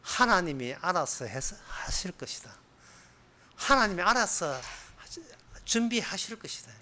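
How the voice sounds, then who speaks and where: A man with a Gyeongsang accent voicing old Abraham, a resigned and grieving father who speaks in a hushed, near-whispered voice. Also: sits high, very animated, measured pace, exaggerated voice. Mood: hushed sorrow. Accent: Gyeongsang Korean.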